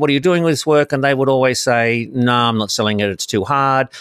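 A man talks in an Australian accent. His pitch varies in an ordinary way. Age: 60s. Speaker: photographer. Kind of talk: casual chat.

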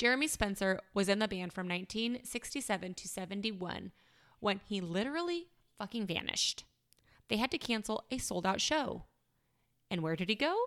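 Talking at a fairly quick pace, a woman with an unremarkable speaking voice uses lively intonation at medium pitch. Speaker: podcast co-host. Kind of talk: casual chat over beers.

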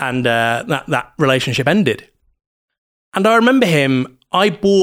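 A man's voice at a moderate pace, with very wide swings in pitch. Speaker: podcast host. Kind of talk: interview conversation.

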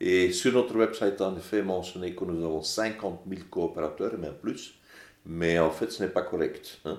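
Speech moves at a moderate speed. The pitch rises and falls in an ordinary way. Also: man, very deep, low pitch for a man. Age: 60s. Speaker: bank CEO. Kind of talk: interview. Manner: hesitant, many fillers.

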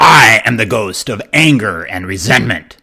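A man puts on a character voice. It comes out booming. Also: fairly low pitch for a man, moderate pace. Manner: thunderous, menacing.

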